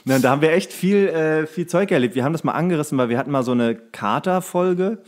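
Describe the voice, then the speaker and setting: A man's voice: on the high side, quick pace. Young man chatting in rambling, joking style. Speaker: podcast co-host. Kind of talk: casual banter, storytelling.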